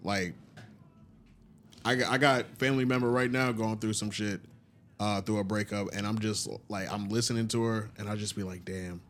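A man's voice: on the low side, steady tone, moderate pace, fairly bright tone, slight background noise. A man with an African American accent talking in a reflective, conciliatory way in a casual group discussion.

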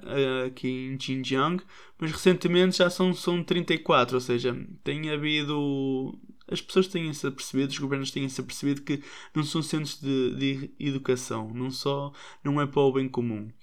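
Hesitant Portuguese man, smooth voice. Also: medium pitch, steady tone, normal speed, fairly bright tone. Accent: European Portuguese. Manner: hesitant, many restarts and fillers, addresses listeners directly. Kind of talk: casual commentary.

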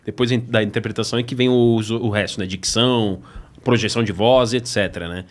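A man hosting a casual chat, enthusiastic and quick to agree. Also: fairly low pitch, fairly even intonation. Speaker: podcast host.

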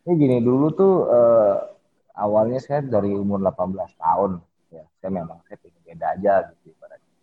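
A man's voice: lowish voice, brisk. A middle-aged man, a podcast guest, talking casually and rambling with many fillers and restarts. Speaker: podcast guest, fitness method founder. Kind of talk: casual interview talk. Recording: tinny phone-like line.

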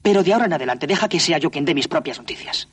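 A man's voice: on the high side, animated, racing, a bit bright, slightly rough. An actor playing a blunt, defiant young man in a 1970s film drama. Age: young adult. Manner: curt, defiant. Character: cocky, blunt young working-class man.

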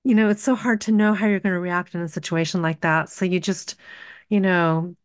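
A woman's voice: lowish voice, fairly even intonation, brisk, clear, resonant tone, no echo, clean studio sound. A middle-aged woman, a podcast guest, candidly and earnestly recounting a personal story.

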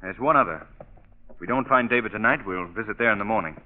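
An actor playing a confident, reassuring gentleman adventurer in 1940s radio style, brisk and urbane. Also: lowish voice, narrow, tinny audio, close to an everyday voice. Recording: thin vintage radio recording.

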